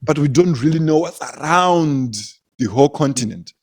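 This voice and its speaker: A man's voice: a little high, animated, normal speed, a little mellow. A young man from Zimbabwe, a comedian, telling stories in casual conversation, laughing often and repeating words as he goes. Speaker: comedian, guest.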